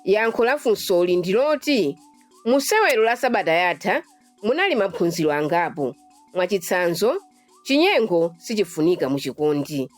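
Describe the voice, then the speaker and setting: A woman with a Malawian accent presenting a radio drama programme in scripted announcements, deliberate when reading out lists and numbers. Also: medium pitch, no room sound.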